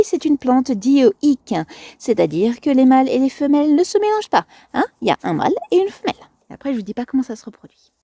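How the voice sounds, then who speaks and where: A woman's voice: high voice, mellow, no room sound. A woman, presenting plants in a casual garden vlog, chatty and playful, with many fillers and asides.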